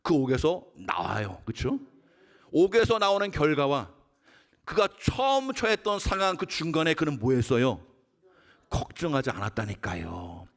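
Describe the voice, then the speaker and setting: A middle-aged man preaching a dawn service sermon as pastor, full of rhetorical questions and self-deprecating humor, at times rising to shouts. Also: on the high side, wildly swooping pitch, normal speed.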